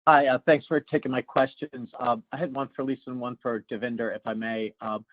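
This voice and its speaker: A man working as a financial analyst, asking earnings-call questions haltingly and repeating his words. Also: mid-range voice, little pitch movement, dry recording. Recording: tinny, dry phone line.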